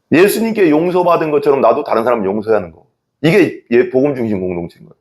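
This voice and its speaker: Animated male pastor, lively pitch. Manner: lively, acts out quoted inner thoughts with laughs. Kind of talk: sermon.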